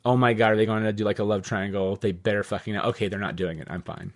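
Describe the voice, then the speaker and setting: A man's voice: lowish voice, steady tone, fast talker, no echo, clean studio sound. A man hosting a podcast, chatting casually in a rambling way, full of "like" and the odd swear word. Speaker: podcast host.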